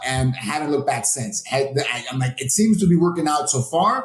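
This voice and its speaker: A man with an American accent, fairly high pitch and ordinary pitch variation, over noticeable background noise. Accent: sounds kind of American. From Tijuana, Mexico. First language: Spanish. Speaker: real estate entrepreneur, call center founder. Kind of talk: podcast interview.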